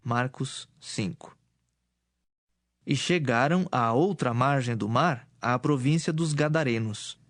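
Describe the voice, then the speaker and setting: A man's voice: mid-range voice, slow pace, no echo, clean studio sound. A man reading scripted, dramatic narration for an audio Bible. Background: music.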